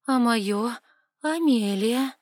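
A woman voicing an anxious, impulsive young heroine in an excitable, questioning manner. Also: fairly high pitch, extremely slow, no room sound, studio quality. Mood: wary, wry. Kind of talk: audiobook dialogue.

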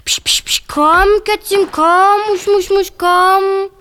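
A woman's voice: extremely high pitch, animated, normal speed, fairly bright tone. An actress voicing a cheeky, playful schoolgirl in a children's radio play, coaxing and sweetly pleading. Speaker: Hilda, boarding-school girl.

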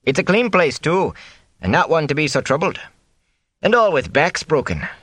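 A man doing a sharp-tongued plump inn cook. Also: on the high side, lively intonation, moderate pace, breathy edge, no echo, pitched above the performer's own voice. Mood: chatty, brisk. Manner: scolding, folksy dialect speech.

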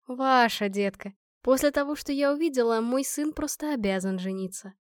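A woman voicing a warm, teasing middle-aged mother in a storybook reading, speaking softly and unhurriedly. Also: high-pitched, moderate pace, no echo, studio quality, natural voice.

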